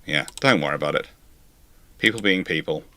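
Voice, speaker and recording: A man's voice: rumbling low, fairly quick, pushed and bright. A man hosting a live question-and-answer stream, talking in a wry, discursive way with sarcastic asides. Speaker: host.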